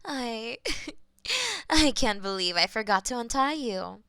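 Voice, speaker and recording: A woman voicing a possessive, teasing female demon of war in an intimate audio roleplay, with soft breathy whispers. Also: on the high side, lively intonation, no echo, studio quality. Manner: teasing, possessive, slow and drawn-out.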